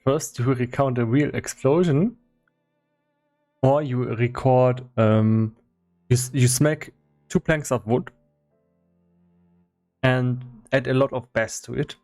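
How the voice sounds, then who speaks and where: Male streamer, mid-pitched, unhurried and halting, casual work-along commentary over background music. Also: fairly even intonation, darkish tone. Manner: thinking aloud, halting. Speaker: streamer and game developer. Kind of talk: casual livestream commentary while working. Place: indoors in his own room.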